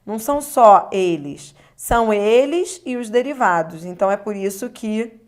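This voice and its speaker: An animated woman with a medium-pitched voice teaches a grammar lesson by video at a moderate pace. She lays out each step clearly. She asks tag questions to make sure the listener follows.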